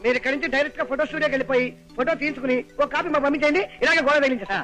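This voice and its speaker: An actor playing a joking young student who teases his friend in rapid banter, on an old film soundtrack with music behind. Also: very high-pitched, fairly even intonation, bright, forceful tone. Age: young adult.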